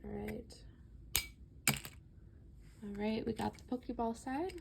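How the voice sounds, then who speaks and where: Taking it slowly, a woman with a fairly high, creaky voice gives a relaxed, chatty tarot reading and reads book passages aloud. She has a stuffy nose and sounds slightly out of breath, with slight background noise in the clip.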